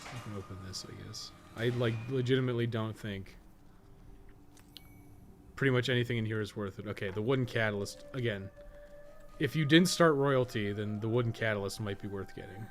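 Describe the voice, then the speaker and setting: A man's voice: on the low side, brisk, soft background music. A man giving casual gaming commentary, thinking aloud in a rambling, profane way with joking asides. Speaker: podcast co-host playing a video game.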